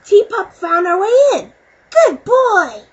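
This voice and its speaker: A woman's voice: extremely high pitch, big pitch swings, slow pace, voice pushed up, exaggerated voice. A woman voicing a young boy fox, an eager, clever and plucky inventor, in an amateur cartoon demo reading. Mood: excited. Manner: earnest, plucky, exclamatory. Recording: muffled home recording with faint noise.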